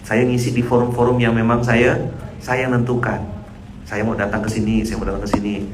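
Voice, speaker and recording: Man preaching, animated, throat-clearing, roomy hall, faint hum. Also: a little fast. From Indonesia. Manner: animated, jumps to loud high outbursts when acting out others. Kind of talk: casual sermon to a congregation.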